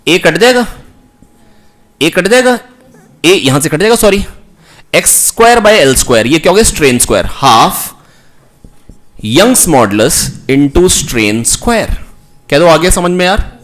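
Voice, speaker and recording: A man teaching physics in an online exam-prep lecture, coaxing students and repeating formulas slowly like a chant. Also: high voice, animated, a bit bright.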